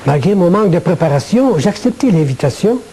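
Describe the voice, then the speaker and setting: Male, dark and slightly raspy tone, formal measured delivery for a spoken religious testimony. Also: high-pitched, big pitch swings. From Quebec, Canada. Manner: measured, formal, literary phrasing. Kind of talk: religious testimony, prepared monologue.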